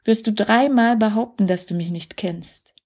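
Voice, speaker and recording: A woman voicing Jesus as a gentle, sorrowful grown man in a storybook reading, speaking softly and earnestly. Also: medium pitch, moderate pace, breathy edge.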